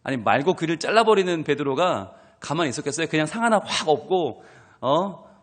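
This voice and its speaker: A man preaching a sermon at a dawn prayer service, lively and animated, acting out scolding voices. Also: on the high side, a little fast. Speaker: pastor. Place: church sanctuary. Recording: long hall reverb.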